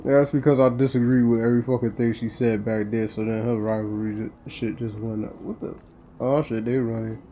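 A man's voice: mid-range voice, steady tone, fairly quick, warm tone, slight background noise. An American man giving casual, profane let's-play commentary in a blunt, slangy, reactive way. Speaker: gaming video host. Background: game music.

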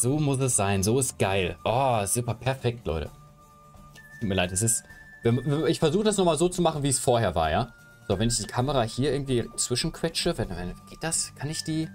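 Rambling young man streaming from home. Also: mid-range voice. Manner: chatty, rambling while fiddling with his camera setup. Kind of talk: casual live stream chat. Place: home room, indoors. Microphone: headset.

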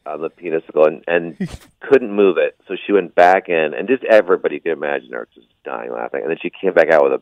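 A man's voice: rumbling low, fast, no room sound, dull audio. A male stand-up comedian guest on a radio show, telling rambling stories with dry, self-deprecating asides. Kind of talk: casual radio interview.

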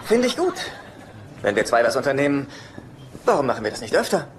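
A man acting a middle-aged, neurotic sitcom brother. He complains at length in a whiny, self-pitying way with very lively intonation. The dubbed TV soundtrack has faint noise behind it. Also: medium pitch, fairly quick, natural voice. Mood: chatty, griping.

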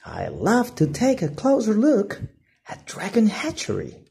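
A woman voicing an excited, adventurous young boy explorer in a storybook, with hushed, urgent eagerness. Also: mid-range voice, unhurried, gravelly, voice pushed up, exaggerated voice. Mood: excited, secretive.

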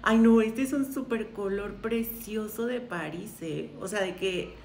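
A woman's voice: medium pitch, measured pace, creaky, a little mellow. A woman, chatting effusively to viewers while trying on makeup. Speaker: beauty vlogger. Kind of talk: casual makeup try-on chat. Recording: roomy echo, faint room noise.

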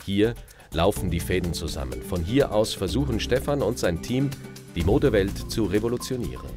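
Man, documentary voice-over, deep voice, even delivery, loud background music. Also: normal speed. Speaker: narrator. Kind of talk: scripted documentary narration.

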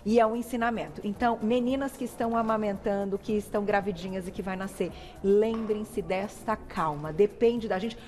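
A middle-aged woman with a Brazilian accent, hosting a TV talk show and telling personal stories in a warm, chatty way. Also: medium pitch, fairly even intonation, brisk, hardly any pauses, a little hiss or hum. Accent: Brazilian Portuguese. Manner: warm, chatty, emotional storytelling. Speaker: TV show host.

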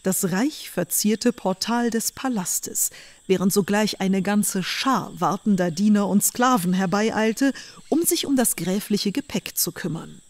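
A woman's voice: medium pitch, measured pace. A woman reading scripted fairy-tale narration for an audio drama, addressing her listeners as a storyteller. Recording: music under the voice. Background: music.

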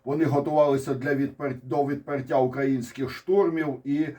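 A man's voice: mid-range voice, fairly even intonation, normal speed, warm tone. A man with a Ukrainian accent giving casual, ironic commentary on war charts, digressing and restarting often. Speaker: military commentator.

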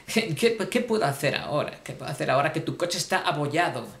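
A man's voice: a little high, lively intonation, fast talker, fairly bright tone. Frantic rambling comic man. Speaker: comedian. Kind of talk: absurd comic monologue. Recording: roomy echo.

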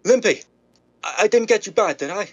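A man playing a smooth but nervous crooked businessman in a 1930s style radio drama. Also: high voice, lively intonation, brisk, a little hiss or hum. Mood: flustered panic. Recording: dull band-limited vintage-style radio sound.

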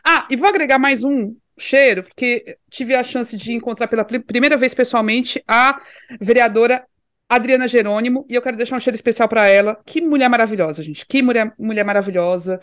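A woman's voice: a little high, fairly quick, fairly bright tone. Chatty woman host. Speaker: podcast co-host. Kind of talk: casual podcast chat.

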